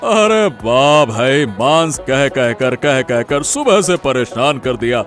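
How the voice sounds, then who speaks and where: A man's voice: medium pitch, very animated, takes it slowly, fairly bright tone, faint music behind. Easygoing chuckling village man, a man voicing him. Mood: jovial. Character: jovial male village householder, indulgent.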